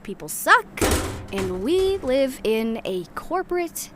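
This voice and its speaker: A woman's voice: high voice, sing-song, takes it slowly, background noise, heavily acted. An actress playing a bitter, sardonic woman in a sci-fi audio drama, ranting conversationally with sarcastic, mock-dramatic asides.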